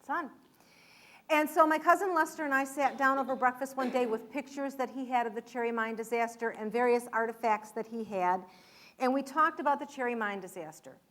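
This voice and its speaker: A woman's voice: a little high, a little fast, fairly bright tone. Woman author telling a family story. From Michigan, US. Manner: conversational storytelling, some restarts. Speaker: author speaking at an event. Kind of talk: public talk.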